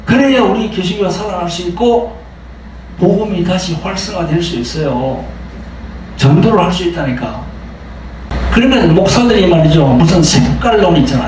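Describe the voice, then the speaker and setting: A man preaching a sermon as a pastor, emphatic and full of rhetorical questions, swinging between loud and soft. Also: high-pitched, very echoey, recorded from a distance, slight background noise, rough recording.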